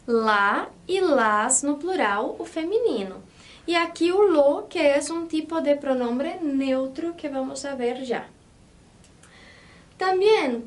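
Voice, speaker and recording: A woman teaching a language lesson, explaining patiently step by step, switching between two languages and checking that students follow. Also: sits high. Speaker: Spanish teacher.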